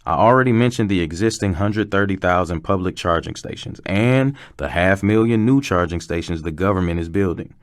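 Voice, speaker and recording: A man plays a car service technician with a deep voice and a very dry sound. He is knowledgeable and patient, explaining things conversationally in a scripted promotional dialogue. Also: brisk, few pauses, no echo. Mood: explaining, assured.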